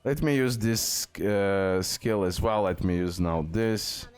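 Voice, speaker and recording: A man with a fairly low voice talks through a video game as a guide host. His delivery is casual and explanatory. He uses non-native English phrasing and often repeats words and phrases. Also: slow pace, a little mellow, clear, resonant tone.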